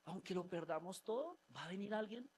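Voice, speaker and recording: A man giving a spoken testimony in a church service, telling his story in an animated way, acting out voices and often restarting his phrases. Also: high-pitched, a little fast, husky.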